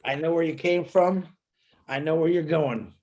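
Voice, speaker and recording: A man's voice: a little high, normal speed, a little hiss or hum. A man hosting an online video call, calling on speakers and encouraging them. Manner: warm, encouraging, calls on speakers. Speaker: host. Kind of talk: moderating an online panel.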